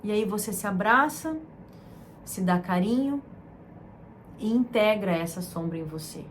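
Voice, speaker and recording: A woman from Brazil hosting a self-help talk, speaking in a soft, soothing, emotive way that repeats words. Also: medium pitch, animated, measured pace, slight background noise. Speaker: self-help channel host. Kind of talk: gentle motivational talk.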